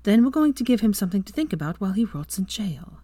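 Lady doing a spirited young witch, voice pitched up, dry close sound. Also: big pitch swings, fast talker, no room sound. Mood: determined. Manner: bright, raised delivery against the narration. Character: young adult witch, determined and teasing.

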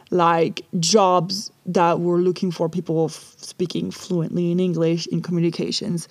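A woman's voice: on the low side, no room sound. A woman from Paris, hosting a podcast in a casual, rambling way with easy swearing, recorded inside a small clothes closet. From Paris, France. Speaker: podcast host. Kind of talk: casual solo podcast chat. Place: small closet packed with dresses and magazines.

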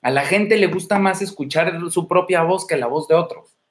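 A man with a Mexican accent speaks in a slightly raised voice, casually lecturing viewers of his home livestream. His manner is blunt and swaggering, salted with crude slang and rapid-fire rhetorical questions. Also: on the high side. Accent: Mexican Spanish. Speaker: dating advice livestream host. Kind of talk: casual livestream advice talk. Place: indoor room at home. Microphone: streaming from home.

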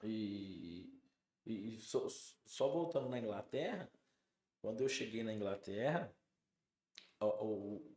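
A man from Brazil, a chef on a podcast, chatting casually and animatedly, acting out the people in his stories. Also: fairly low pitch. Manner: animated storyteller, acts out quoted dialogue. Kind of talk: casual chat. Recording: roomy studio sound.

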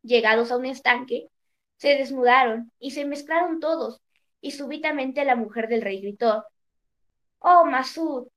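A woman narrating an old storybook tale in a measured, even reading. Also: high-pitched.

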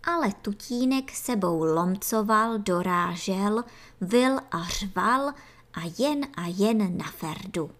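A woman reading a children's storybook aloud with expressive narration. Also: medium pitch.

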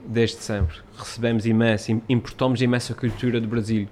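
A man with a European Portuguese accent, speaking in an ordinary mid-range voice. He talks in a relaxed, explanatory way, with many fillers and tag questions, like a video creator in casual chat. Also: mid-range voice, a little fast, slight background noise. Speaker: YouTube creator.

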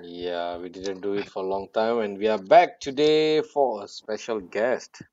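A man co-hosting a podcast in a relaxed way, chiming in with short replies and easy laughs. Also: fairly low pitch, a little slow. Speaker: podcast co-host. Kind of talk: casual podcast interview. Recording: dull lo-fi audio with faint noise.

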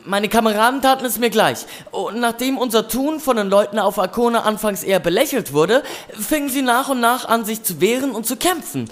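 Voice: medium pitch, lively intonation, fairly quick, few pauses, natural voice. A performer playing a humble, eager medieval army servant boy who reports formally and deferentially to the king in a historical audio drama. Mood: sheepish, eager. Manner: deferential, formal, earnest storytelling.

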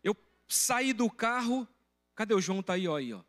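A high-voiced pastor in his middle years delivers a sermon from the pulpit. He tells stories from his own life and speaks with animated energy. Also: moderate pace. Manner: storytelling, breaks into loud shouting when retelling a confrontation.

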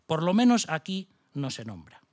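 A man's voice: fairly high pitch, very animated, normal speed, a little mellow, no echo. A middle-aged man from Spain preaching a sermon with a Spanish accent, passionate, firing off rhetorical questions and mocking asides. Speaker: pastor.

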